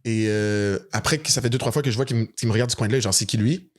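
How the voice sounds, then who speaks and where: A man's voice: fairly low pitch, racing. A Canadian man with a Quebec French accent, telling a story in a casual podcast chat and acting out quoted lines. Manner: animated, acts out quoted lines. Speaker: podcast co-host.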